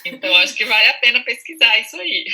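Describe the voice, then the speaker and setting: A woman's voice: a little high, lively intonation, brisk, sharp tone, slightly rough, low-quality recording. A woman with a Brazilian Portuguese accent, a speech-language therapist patiently explaining speech over a video call and sounding out examples. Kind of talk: explanatory interview answers.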